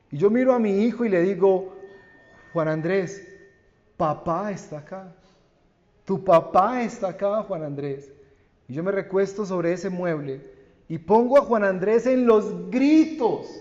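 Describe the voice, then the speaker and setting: A man with a Colombian Spanish accent, a pastor delivering a sermon in slow, earnest preaching that swells and then drops to hushed endings. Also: fairly high pitch. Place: church sanctuary. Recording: dull church recording with long reverb.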